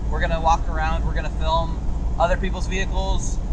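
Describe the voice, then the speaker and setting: A man with a very deep, low pitch talks at a very fast pace. Audible room echo and noticeable background noise surround him. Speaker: car vlogger. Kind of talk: casual vlog while driving. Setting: in a car. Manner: loud.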